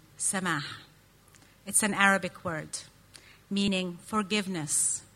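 A woman speaks at a fairly slow pace in a bright, sharp tone. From Gaza, Palestine. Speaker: writer and activist. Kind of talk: spoken word performance.

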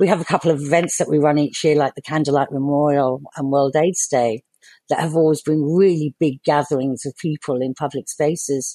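In a British accent, a woman talks at a fairly quick pace with a very deep, low pitch, a dark, mellow tone and fairly even intonation, the sound dry and close with no echo against a quiet background. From England, of Indian parents. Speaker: HIV community organisation director. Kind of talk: interview.

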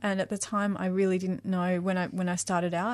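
A medium-pitched woman's voice with an Australian accent against a quiet background. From Australia, rural Victoria (Mildura). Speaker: doctor and climate campaigner. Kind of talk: interview. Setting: radio studio. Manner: hesitant, many fillers.

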